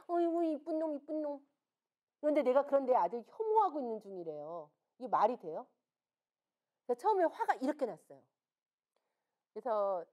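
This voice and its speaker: Woman seminar speaker, bright high voice with wide swings, frank and emphatic, keeps the audience engaged with questions. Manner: frank, conversational storytelling. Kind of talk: seminar lecture.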